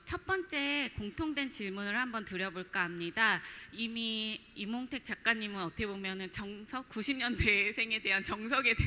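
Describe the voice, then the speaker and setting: Twenties woman hosting a panel, polite formal questions, bright voice, roomy hall. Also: medium pitch. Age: 20s. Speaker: moderator. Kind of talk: panel moderation. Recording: reverberant event hall.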